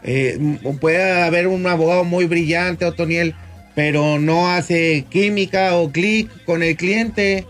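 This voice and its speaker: Brief: male lawyer, 50s, radio guest, measured explainer, slightly high voice, soft music bed underneath. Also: steady tone. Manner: measured, explanatory, often addresses the host by name. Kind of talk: radio talk segment. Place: radio studio booth.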